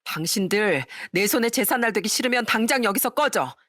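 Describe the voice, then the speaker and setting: A woman's voice: fairly high pitch, expressive, brisk, a bit bright, no room sound, studio quality, voice pushed up. A woman voicing a fierce grown sister-in-law who scolds her father and drives off the scheming stepmother. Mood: scornful. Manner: scolding, scornful.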